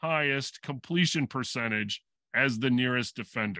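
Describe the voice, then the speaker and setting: Bright and sharp, a man's voice with a Wisconsin accent moves with lively intonation, recorded dry with no echo against a quiet background. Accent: Upper Midwest (Wisconsin). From Green Bay, Wisconsin. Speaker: podcast co-host. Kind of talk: casual chat. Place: home room. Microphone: earbuds.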